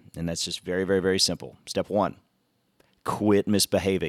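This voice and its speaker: A man's very deep, low voice at a very fast pace, with a dry, close sound, no echo, and a very clean recording over a silent background. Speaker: podcast host and personal trainer. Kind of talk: solo podcast monologue. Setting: recording at a gym office. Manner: unscripted, stream of consciousness.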